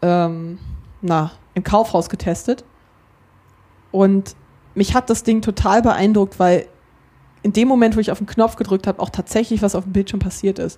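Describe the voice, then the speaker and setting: A woman speaks at medium pitch and a moderate pace, with a dark, mellow tone and fairly even intonation. Long pauses come often. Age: 20s. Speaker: university lab staff member. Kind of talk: casual chat. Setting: walking through a museum.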